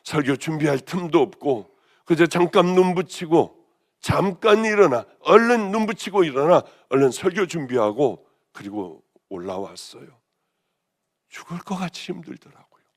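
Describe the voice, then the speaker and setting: A woman pastor with a hoarse voice, preaching a sermon with passion, rising to loud exclamations and then dropping to hushed, almost whispered lines. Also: deep voice, expressive, moderate pace. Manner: impassioned, swinging between raised exclamations and hushed near-whispers.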